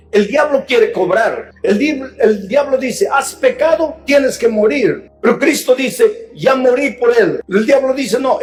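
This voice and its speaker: A pastor preaching a sermon, moving from hushed tender pleading to shouted exhortation and acting out short dialogues in his own voice. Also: high voice. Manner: acts out dialogues between characters in his own voice.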